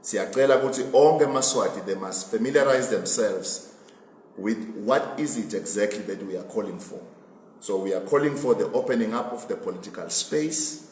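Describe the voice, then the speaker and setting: A man with a Swazi accent giving a political address in an interview, speaking emphatically and deliberately and repeating phrases for emphasis. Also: fairly low pitch, a little mellow. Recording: echoey reverberant room with background noise.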